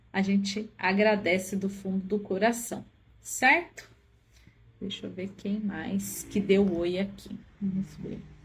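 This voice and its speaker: This soft-spoken woman talks very slowly at a medium pitch, with fairly even intonation, vocal fry, and long, frequent pauses. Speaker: spiritist study group leader. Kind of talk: livestream welcome and announcements. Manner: warm, friendly.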